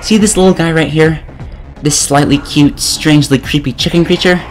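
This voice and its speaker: A man's voice: on the high side, steady tone, normal speed, faint music behind. A man narrating a scripted comedic game review in an exasperated, sarcastic way.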